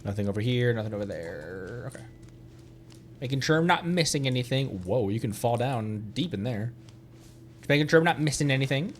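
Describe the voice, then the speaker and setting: A man's voice: mid-range voice, animated, fairly quick, slight background noise. A man streaming a video game, casually thinking aloud and joking about what he sees.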